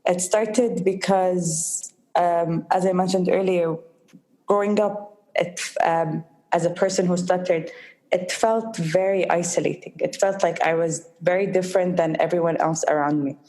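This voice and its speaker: A young woman from the United Arab Emirates, a guest in an interview, speaking slowly and with a mild stutter and pauses. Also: lowish voice, steady tone, dark tone. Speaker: guest, social entrepreneur. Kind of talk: interview conversation.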